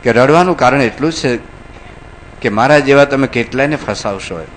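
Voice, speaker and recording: A man's voice: mid-range voice, moderate pace, a little hiss or hum, lightly acted. A clever monkey, acted by a male preacher, explains why it weeps. It talks with a sorrowful, pleading tone.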